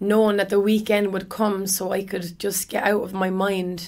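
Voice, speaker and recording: A woman at a moderate pace, monotone and flat in intonation, against a quiet background. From Ireland, Kilkenny; Ireland. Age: 30s. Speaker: social care worker; guest. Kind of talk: testimony. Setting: studio. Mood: earnest, reflective personal story. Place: studio. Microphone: studio mic.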